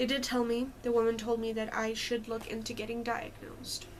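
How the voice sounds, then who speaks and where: A woman speaks at a fairly high pitch in a monotone, flat delivery, with audible room echo around her. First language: not English. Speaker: vlogger. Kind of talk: personal rant vlog.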